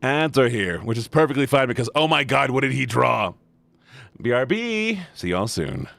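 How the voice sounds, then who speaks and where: A man's voice: mid-range voice, sing-song, normal speed, vocal fry, a bit bright. A man streaming as he reads a visual novel aloud, swinging between narration and chatty asides to his chat. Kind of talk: live stream reading and reacting.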